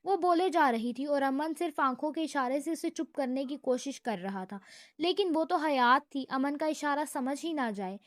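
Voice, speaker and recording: A woman narrating a romantic comedy novel in an expressive, dramatic storytelling voice. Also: high-pitched, no room sound, studio quality.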